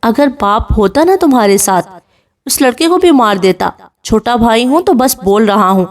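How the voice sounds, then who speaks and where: A harsh, scolding young man from a spoken novel, performed by a woman. He is a protective younger brother, and his raised voice sits fairly high. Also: animated, close to an everyday voice. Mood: stern.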